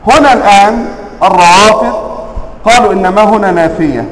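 A man with an Egyptian accent teaching a religious lesson, quizzing his listeners and stressing words with sharp rises. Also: high-pitched, fairly quick, reverberant, long reverb tail, slight background noise, low-quality recording. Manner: quizzes the audience, emphatic rising stresses. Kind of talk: classroom lesson.

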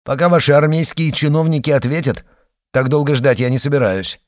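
A man's voice: on the high side, fairly quick, no echo, studio quality, voice pushed up, natural voice. A man voicing a hot-headed, arrogant young nobleman who sneers and barks orders. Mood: impatient. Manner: sneering, barking commands. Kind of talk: audiobook character voice.

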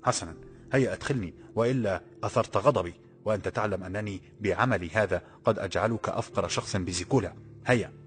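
Man reading as bold young man, commanding, sure of himself, low voice, brisk, faint music. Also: close to an everyday voice. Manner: commanding, self-assured.

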